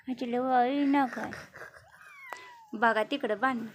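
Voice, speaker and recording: Recording a relaxed home vlog, a woman who is a mother teases her pet cats in baby-talk as she films them. She speaks slowly in a fairly high voice with fairly even intonation, and there is slight background noise.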